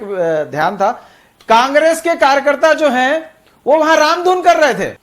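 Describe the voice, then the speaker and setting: High-voiced insistent debate panelist man. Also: a bit bright. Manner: insistent, talks over others. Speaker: party spokesperson in a TV debate. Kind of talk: heated political debate.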